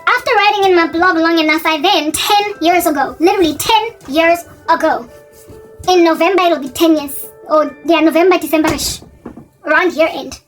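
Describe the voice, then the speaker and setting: South African woman, 40s, high voice, rambling vlog talk, distant mic, faint music underneath. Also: normal speed. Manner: rambling, often correcting and repeating herself. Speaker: faith vlogger. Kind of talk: casual talking-head monologue.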